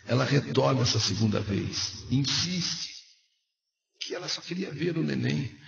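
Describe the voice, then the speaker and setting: A man reading a dramatic first-person story for radio, emphatic and repeating phrases, shifting between hushed and loud. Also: medium pitch, lively intonation, measured pace, vocal fry, a little hiss or hum. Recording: roomy, muffled radio recording.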